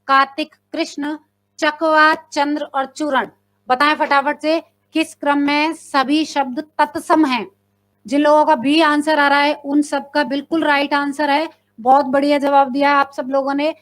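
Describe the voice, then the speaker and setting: A woman teaches a live exam-prep class in a high voice. She reads each question and its options aloud, asks her viewers to answer, and confirms the right option. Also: fairly bright tone. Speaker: Hindi teacher.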